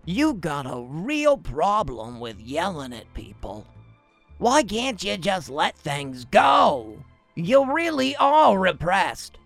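Guy bickering in a comedy audio drama, slow, gravelly, faint music. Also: sits high, huge pitch swings, a bit bright. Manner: exasperated, bickering. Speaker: amateur audio drama actor.

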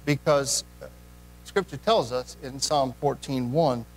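A man's voice: mid-range voice, a little slow, a little hiss or hum, rough recording. A man preaching a sermon in a church, earnest, putting direct questions to the congregation. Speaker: pastor.

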